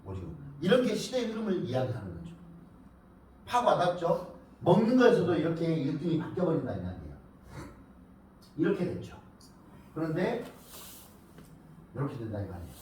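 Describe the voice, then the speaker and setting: A high-pitched man teaches a live audience, and his pitch leaps all over the place. He teases his listeners and chants words in a sing-song rhythm. The sound is boomy and roomy, picked up from some distance in a lecture hall. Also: sing-song, fairly quick, long pauses, a little mellow, slight background noise. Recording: echoey hall, mic at a distance.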